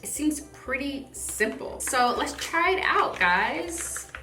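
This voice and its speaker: A woman from the southern US reviews products in a casual, playful chat. Her voice is bright and crisp-edged, with a bubbly manner. It is recorded in a roomy home space with faint music behind her. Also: sits high, expressive, takes it slowly. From southern United States. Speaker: skincare vlogger and product reviewer.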